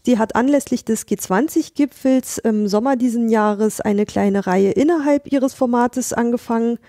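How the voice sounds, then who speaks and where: A woman's voice: fairly high pitch, normal speed, mellow, no echo, clean studio sound. A woman co-hosting a podcast, speaking casually in a recorded message with a recommendation. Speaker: podcast co-host.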